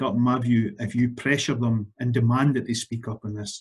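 With a Scottish accent, a man speaks in a somewhat breathy voice over a quiet background. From Scotland. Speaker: politician chairing a panel. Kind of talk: panel moderation. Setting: video call. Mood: earnest, urging. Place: home room. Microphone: webcam.

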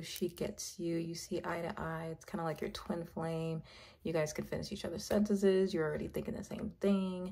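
A woman's somewhat breathy, fairly low voice with a dark, mellow tone, monotone flat intonation and a moderate pace. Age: 20s. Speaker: vlogger. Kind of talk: casual vlog talk to camera. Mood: upbeat, chatty. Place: home room. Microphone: phone near.

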